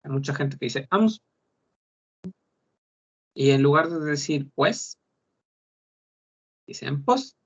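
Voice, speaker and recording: Slow husky male language teacher. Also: a little high. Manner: slow, repeating words to model pronunciation. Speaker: French teacher. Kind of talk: online class lesson. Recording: dull lo-fi class recording.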